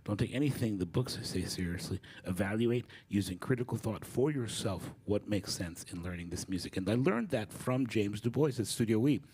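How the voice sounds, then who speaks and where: A middle-aged man giving a storytelling talk, animated and acting out the people he quotes. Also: on the low side, normal speed, hardly any pauses, breathy edge. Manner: animated, acts out quoted voices. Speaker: guest speaker. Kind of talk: storytelling lecture.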